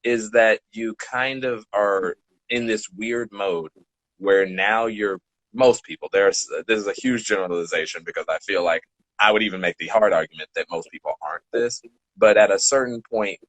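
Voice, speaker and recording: A man's voice: on the low side, moderate pace, fairly bright tone, no echo, poor audio. A man in a casual podcast chat, explaining things in a rambling way and rephrasing as he goes. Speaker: podcast speaker.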